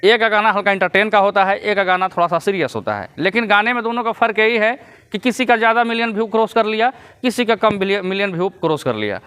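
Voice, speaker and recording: A man's voice: high voice, lively intonation, fast, bright, forceful tone, clean tone. A man giving casual vlog commentary, lecturing his viewers and chuckling between points. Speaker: YouTube commentator.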